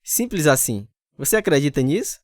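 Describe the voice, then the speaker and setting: A man acting as an earnest, troubled young Bible college student who tells his story in a measured, confessional radio drama style. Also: a little high, sing-song, no echo, clean studio sound. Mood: friendly. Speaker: narrator and lead actor. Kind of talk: dramatized first-person radio testimony. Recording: music under the voice.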